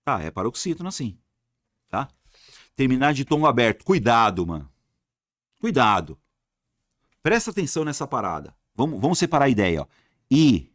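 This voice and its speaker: Speaking quickly in a mid-range, sing-song voice, a Brazilian man teaches Portuguese grammar online for exams. His manner is casual and colloquial: he repeats key terms as drills and answers the questions he puts to his students. The audio has studio quality and no room sound.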